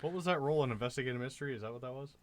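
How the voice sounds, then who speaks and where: A man's voice: medium pitch, racing, a crowd in the background. A man playing a tabletop role-playing game, talking bluntly and informally. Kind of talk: casual tabletop role-play.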